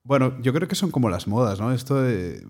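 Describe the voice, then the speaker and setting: A man's voice: medium pitch, lively intonation, a little fast, darkish tone. A man, a singer and actor guesting on a podcast, speaking thoughtfully and hesitating as he searches for words. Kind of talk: casual conversational interview.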